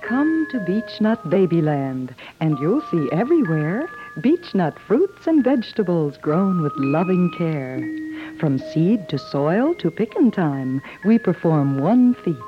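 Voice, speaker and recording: Female ad announcer, very slow and lilting, over prominent chiming music, dull old radio sound. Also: lowish voice, big pitch swings. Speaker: advertising announcer. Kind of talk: rhymed 1950s radio commercial. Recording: dull 1950s radio recording. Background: jingle music with chimes.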